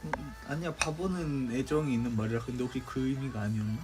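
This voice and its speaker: A man's voice: mid-range voice, steady tone, fast, music in the background, rough recording. A young man from South Korea chatting casually and with easygoing amusement on a livestream. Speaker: idol livestream co-host.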